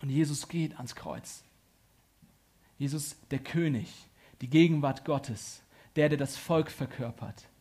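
A man delivers a sermon in a husky, slightly high voice. He swings between hushed, intimate passages and loud, soaring peaks of emphasis. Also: slow pace. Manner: preaching with strong surges in pitch and volume. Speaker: preacher.

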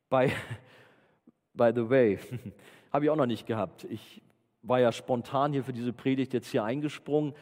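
A man's voice: mid-range voice, dark tone, big-room sound. A man preaching an informal sermon to a youth group, playful and chatty, often asking the audience questions.

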